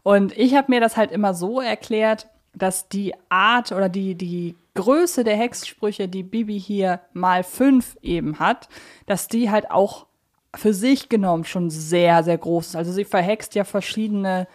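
A woman talking casually as a podcast co-host, explaining her points in a measured, conciliatory way. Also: medium pitch, darkish tone. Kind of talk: casual, discursive podcast discussion.

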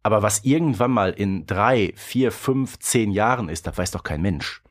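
A man's voice: on the low side, lively intonation, moderate pace. A man co-hosting a podcast, chatting off the cuff in a colloquial, pragmatic way with hesitant phrasing. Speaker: podcast co-host. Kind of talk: casual unscripted review chat.

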